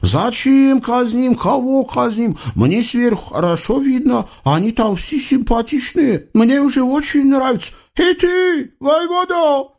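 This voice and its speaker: A man voicing a fat, petulant eastern sultan who chatters in a high, childish voice full of "eh?" and "yes?". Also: expressive, a little slow, few pauses, darkish tone, full character voice. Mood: whiny, indignant. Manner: high squealing voice, chatty tag questions.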